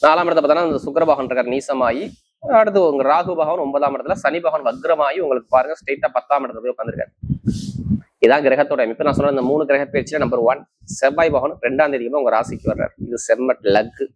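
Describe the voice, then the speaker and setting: A man speaks in a medium-pitched voice. He presents like an astrologer addressing viewers, stressing each point. His phrases come in short bursts, often repeated and stacked into lists. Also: fast talker, poor audio. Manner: emphatic, repetitive, listing points in short bursts. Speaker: astrologer presenting horoscope forecasts. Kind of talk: monthly horoscope talk to camera.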